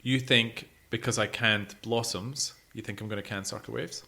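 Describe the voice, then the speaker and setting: A man's voice: on the low side, fairly even intonation, normal speed, vocal fry, bright, forceful tone. A man co-hosting a music podcast in casual, back-and-forth banter. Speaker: podcast co-host.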